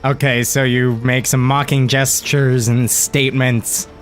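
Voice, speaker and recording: A man narrating a tabletop fantasy game as game master, casual and a little halting as he describes the action. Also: medium pitch, little pitch movement, faint music behind.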